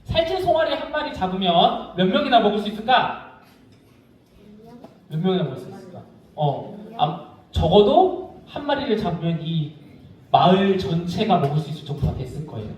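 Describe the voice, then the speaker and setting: A man preaching a children's sermon, telling the story in an animated way and asking his listeners questions. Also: high voice, moderate pace, long pauses, dull audio. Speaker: junior pastor. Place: church sanctuary. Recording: echoey church hall, mic far off.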